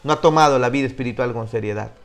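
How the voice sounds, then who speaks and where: A man's voice: medium pitch, rapid-fire. A man teaching an online discipleship class, emphatic and putting questions to his students. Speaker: Bible teacher.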